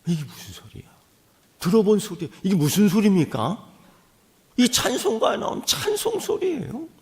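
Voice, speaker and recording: A male pastor delivering a sermon as animated storytelling, dropping to a hush and rising again. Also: sits high, normal speed. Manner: animated storytelling, swings from hushed to loud.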